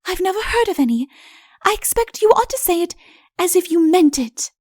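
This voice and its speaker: A woman doing a high, flustered young princess. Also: big pitch swings, normal speed, darkish tone, no room sound, studio quality. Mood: coaxing. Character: young princess, eager and anxious. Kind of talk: audiobook character voice.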